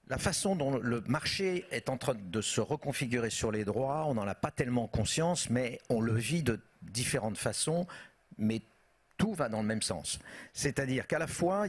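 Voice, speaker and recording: A man, a TV executive on a panel, speaking in a measured way with some fillers. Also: medium pitch, breathy edge. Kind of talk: panel discussion. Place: auditorium stage.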